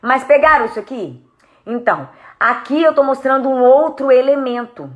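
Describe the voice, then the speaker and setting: Brazilian speech therapist lady, kinda high voice, talks right to camera and asks you stuff, acts out tones to show how it sounds. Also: moderate pace, muffled recording. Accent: Brazilian Portuguese. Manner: animated, explains with spoken demos of tone; addresses viewers directly with questions. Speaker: speech therapist and communication coach. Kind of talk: direct-to-camera lesson.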